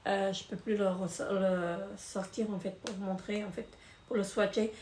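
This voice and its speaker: A woman's voice: medium pitch, level tone, normal speed, darkish tone. A middle-aged woman casually reviewing finished beauty products, hesitant, with many fillers and repeated words. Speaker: beauty vlogger. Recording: echoey room with faint noise.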